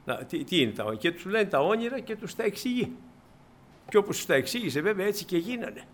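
A man preaches a sermon in a high, sing-song voice, retelling a Bible story. Often addressing listeners as brothers, he acts out the characters' lines and dramatizes quotes by shifting his voice and volume.

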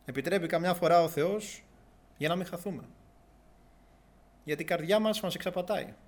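A young man earnestly recounting a personal religious testimony in a halting, searching way. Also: high voice. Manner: earnest, halting, with restarts and long pauses.

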